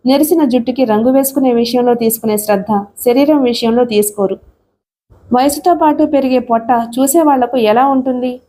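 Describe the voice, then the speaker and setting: A woman narrating an audiobook story in a steady storytelling manner. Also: fairly high pitch.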